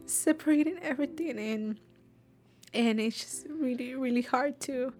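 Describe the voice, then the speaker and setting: A woman in a heartfelt conversation, speaking softly and reflectively, sometimes dropping to a near whisper. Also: sits high, normal speed, faint music behind. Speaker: interview participant.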